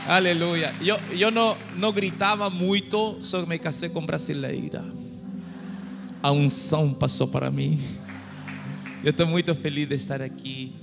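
A middle-aged Chilean man preaches on a large church stage with a handheld mic, his Spanish accent showing as he jokes and rallies the crowd. His voice sits a little high. A long hall reverb trails his words, and clear music plays underneath. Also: fairly even intonation, unhurried. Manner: humorous, mixes Spanish into Portuguese, rouses the crowd to shout. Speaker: guest pastor. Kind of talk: sermon.

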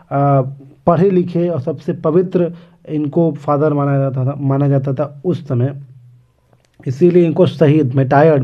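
A man teaching an exam lesson on English literature, reading English passages slowly and explaining them with many hesitations. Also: on the high side. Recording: dull lo-fi recording.

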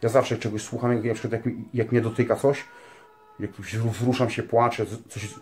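A man's voice: mid-range voice, little pitch movement, normal speed, a little mellow. A man speaking earnestly in a casual spiritual monologue, rambling with many fillers and tag questions and calling his listeners dear ones. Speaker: religious vlogger.

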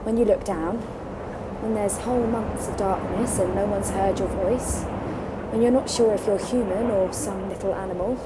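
A woman playing a kindly, reflective, gently stubborn veteran Arctic scientist in an audio drama. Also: mid-range voice, fairly even intonation, normal speed, close to an everyday voice. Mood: wistful. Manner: motherly, reflective, reassuring. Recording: noisy stormy outdoor ambience.

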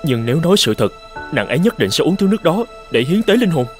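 A man playing a proud young tribal warrior posing as a god in an animated folktale, commanding and protective. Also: fairly high pitch, quick pace, faint music behind. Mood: troubled, smitten. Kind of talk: dubbed animated folktale acting.

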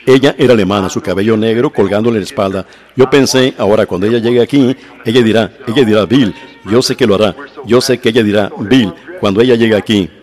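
A man delivering a sermon in a slow, measured storytelling manner, often repeating and restarting words. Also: lowish voice, a little mellow. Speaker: preacher. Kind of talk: sermon in Spanish translation.

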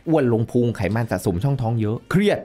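A man who is a nutrition expert, talking as a guest on a podcast. He explains things in a loose, lecturing manner and drops English technical terms into his speech. His voice sits at a medium pitch. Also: expressive, fast talker, dark tone. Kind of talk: explanatory interview talk.

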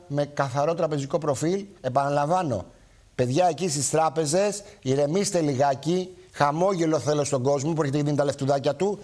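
A man's voice: a little high, a little mellow. A man hosting a live television talk show, speaking emphatically to viewers and repeating his points.

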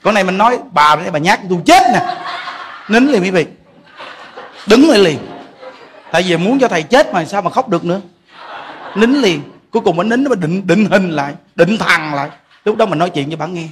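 Here a male Buddhist monk with a Southern Vietnamese accent jokes his way through a dharma talk, frequently laughing and talking right to the audience. He's high-pitched and a bit bright, speaking fast with lively intonation.

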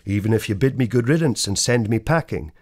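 Low-pitched male voice-over actor, theatrical delivery. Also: animated, a little fast, darkish tone. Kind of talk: voice-over demo reel of ads, poems and dramatic readings.

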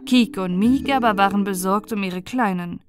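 With music playing behind her, a woman with a mid-range voice reads a storybook tale aloud at a moderate pace, a scripted bedtime narration meant to help listeners relax and fall asleep.

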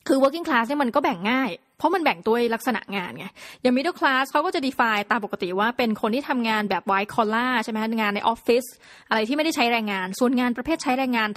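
A woman hosting a podcast tells stories in a chatty, playful way, full of lively little exclamations. Her voice sits a bit high. The sound is close and dry. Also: dry recording. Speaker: podcast host. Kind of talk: casual solo podcast talk.

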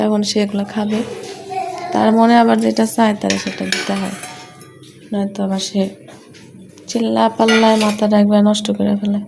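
A woman's voice: medium pitch, creaky, noisy background. A woman in her thirties with a Gazipur Bangla accent, chatting to viewers as she cooks in her home kitchen. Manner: chatty, explains each dish to viewers. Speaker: mother and home cooking vlogger. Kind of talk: casual home vlog narration.

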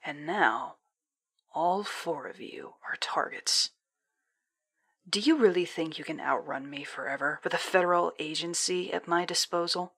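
Audio drama villain: actress as menacing spy commander woman, lowish voice, imperious and mocking. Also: a little slow, fairly bright tone, slightly rough, exaggerated voice. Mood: menacing, gloating. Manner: condescending, taunting, menacing.

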